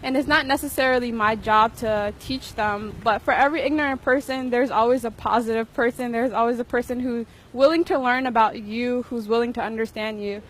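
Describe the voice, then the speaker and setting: A young woman speaks in a steady, firm way. Her voice sits fairly high. The recording is clean. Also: a little fast, few pauses. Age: young adult. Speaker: university student interviewee.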